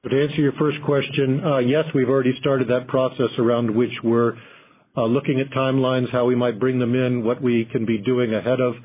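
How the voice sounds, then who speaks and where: A man with a rough, husky voice answers as a company executive on a conference call. His phrasing is formal, measured and carefully qualified. The sound is thin and phone-like. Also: mid-range voice, level tone. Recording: muffled narrow phone line.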